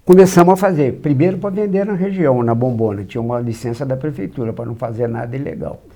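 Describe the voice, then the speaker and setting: An older man with a Minas Gerais accent, telling long anecdotes in a dark, husky voice. He is a lively raconteur who acts out the lines of the people in his stories. He speaks as a guest on an interview show. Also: mid-range voice, fast talker. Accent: Minas Gerais Brazilian Portuguese. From São João del Rei, Minas Gerais, Brazil. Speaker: guest, journalist. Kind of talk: anecdotal storytelling.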